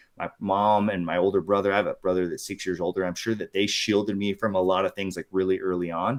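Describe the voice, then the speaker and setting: With an American accent, a man speaks at a very fast pace with hardly any pauses, his fairly low voice monotone and flat over a quiet background. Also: dry, close sound with no echo. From Southern California, US. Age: 30s. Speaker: author and bitcoin advocate. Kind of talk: interview.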